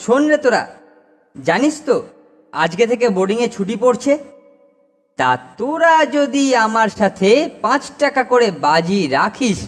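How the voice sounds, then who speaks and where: A man's voice: high-pitched, sing-song, normal speed. A man voicing a boastful, greedy older schoolboy bully in a children's cartoon, teasing and theatrical. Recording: long reverb, music behind.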